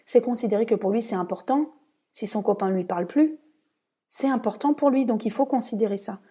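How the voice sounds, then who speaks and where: A woman talks through her ideas in a casual podcast monologue, earnest and explanatory. Her voice is mellow and warm, with a soft breathy edge. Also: on the high side, fairly quick. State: tired. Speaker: podcast host.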